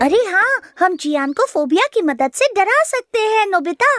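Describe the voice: In a cartoonish character voice, the speaker goes at a moderate pace with an extremely high pitch and very wide pitch swings.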